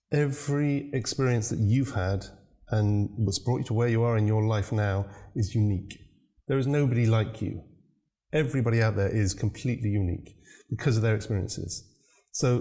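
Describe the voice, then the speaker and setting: A man, a new parent, answering interview questions about business and communication in a measured, reflective way. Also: medium pitch, warm tone. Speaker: business consultant guest.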